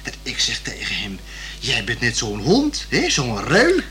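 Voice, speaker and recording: Halting, animated young working-class bloke. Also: male voice, medium pitch, heavily acted. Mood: earnest. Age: young adult. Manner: halting, colloquial, repeating himself. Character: plain-spoken young working-class man, awkward, stubborn, good-natured. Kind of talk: naturalistic radio play dialogue.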